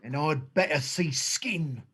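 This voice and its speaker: An actor playing Fagin, an oily, theatrical gang boss of street thieves, in a dramatized play reading, full of drawn-out endearments. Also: medium pitch, fairly bright tone, slightly rough, full character voice. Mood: coaxing.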